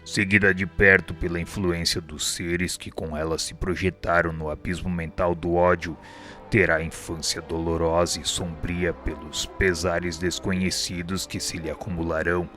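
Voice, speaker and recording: An actor playing a kindly, solemn spirit instructor in a radio drama, giving formal prophetic pronouncements with a Brazilian accent. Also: male voice, low voice, steady tone, unhurried, pushed and bright, soft background music. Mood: solemn compassion.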